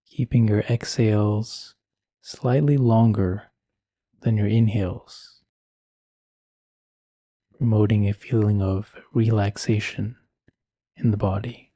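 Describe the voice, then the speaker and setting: A man leading a guided meditation in a soothing, measured and gentle manner. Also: lowish voice, fairly even intonation, no room sound.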